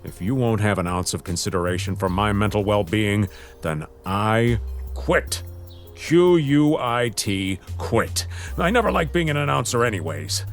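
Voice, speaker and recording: An actor playing a beleaguered, fed-up announcer in a comic audio drama, with theatrical, emphatic delivery. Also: male voice, fairly low pitch, expressive, a little slow, soft background music. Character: exasperated, beleaguered male announcer, melodramatic and fed up.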